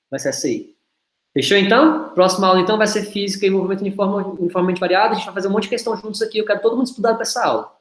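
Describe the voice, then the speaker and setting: A man talks at a very fast pace. His high pitch shows ordinary pitch variation. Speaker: online prep course teacher. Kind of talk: live online class. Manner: casual, animated.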